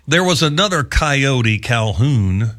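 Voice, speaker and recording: A radio talk show host, a man with a slight Southern US accent, rambles through studio banter and laughs often. His pitch swings widely as he jokes around. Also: big pitch swings, slow pace, fairly bright tone. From Southern US, local to the station.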